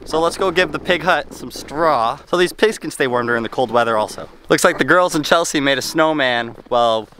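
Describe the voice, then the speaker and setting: This young adult homesteading vlogger keeps up a friendly, upbeat patter to the camera at arm's length while working through farm chores in the snow and talking to his animals. His fairly high, somewhat bright voice moves fairly quickly with hardly any pauses, over slight background noise.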